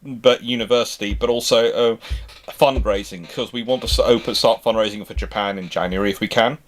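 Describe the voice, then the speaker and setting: A man's voice: on the low side, steady tone, brisk. A man hosting a casual livestream chat, talking in a rambling, stop-start way that doubles back on words. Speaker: livestream host.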